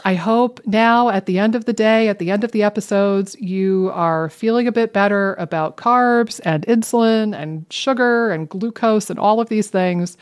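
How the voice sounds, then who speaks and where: A woman co-hosting a podcast, chatting casually in a playful way with dramatic asides. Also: mid-range voice. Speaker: podcast co-host. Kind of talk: casual chat. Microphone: webcam setup.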